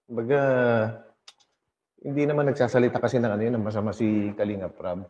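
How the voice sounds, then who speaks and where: A man's voice: fairly low pitch, fast, warm tone, muffled recording. A man hosting a casual gossip vlog, reading posts aloud and laughing often.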